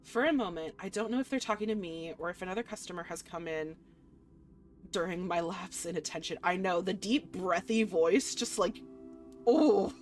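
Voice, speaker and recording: Expressive woman streaming a visual novel. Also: fairly low pitch, moderate pace. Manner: expressive, playful, excitable. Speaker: game streamer reading a visual novel aloud. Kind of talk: expressive read-aloud mixed with casual reactions. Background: faint music.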